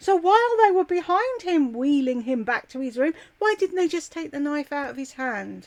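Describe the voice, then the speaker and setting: A woman speaks at an extremely high pitch, her voice swinging very widely up and down. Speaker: narrator of short stories and vlogger. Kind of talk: angry opinionated commentary to camera on a news story. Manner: indignant, outraged.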